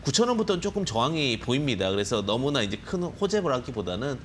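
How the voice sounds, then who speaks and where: A man analyzing stocks as a studio guest, talking quickly with a lively rise and fall. He piles up careful hedges as he explains, and a faint hum of room noise sits behind him. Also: medium pitch. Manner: rapid, explanatory, hedging phrases. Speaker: stock market expert guest.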